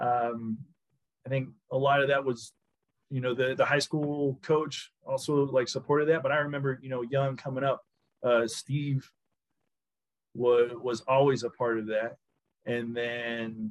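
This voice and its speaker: Speaking slowly with long, frequent pauses, a man with an American accent keeps a medium pitch and a monotone, flat intonation. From Utah, US (Midway). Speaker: army officer and former college wrestler. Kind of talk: casual interview chat.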